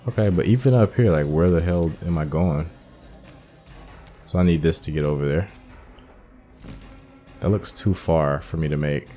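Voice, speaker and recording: A man's voice: rumbling low, normal speed, pauses often, dark tone. A man giving casual gameplay commentary, thinking aloud and explaining each step as he goes. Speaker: gaming host. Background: game audio with faint music.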